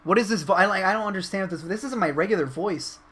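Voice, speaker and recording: Excitable laughing young man chatting. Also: high-pitched, quick pace, a loud crowd. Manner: excitable, laughs often, swears casually. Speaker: podcast host. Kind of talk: casual chat.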